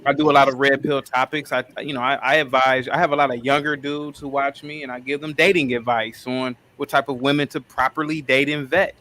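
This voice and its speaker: A man's voice: mid-range voice, fairly even intonation, fairly quick, hardly any pauses, pushed and bright, slight background noise. A man in his thirties from Ohio, calling into a live stream and talking about his own channel in an earnest, rambling way, often saying sir. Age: 30s. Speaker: caller, streamer. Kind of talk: casual live-stream chat.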